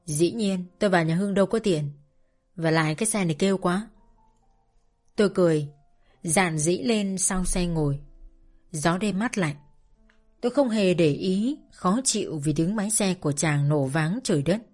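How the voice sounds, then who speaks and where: A woman reading a first-person story aloud in a calm, measured narration. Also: fairly low pitch. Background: faint music.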